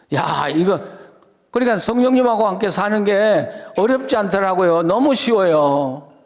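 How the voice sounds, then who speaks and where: A man talks in a high-pitched voice with lively intonation and an animated tone. There is audible echo in the room. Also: moderate pace, very even loudness. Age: 80s+. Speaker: pastor. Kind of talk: sermon. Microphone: no microphone.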